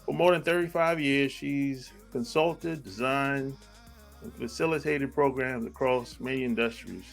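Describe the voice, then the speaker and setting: A man hosting a podcast, reading a guest introduction and chatting in a relaxed way, often answering with a quick "yeah". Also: mid-range voice, creaky, soft background music. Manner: relaxed, backchannels with frequent "yeah". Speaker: podcast host. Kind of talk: casual interview conversation.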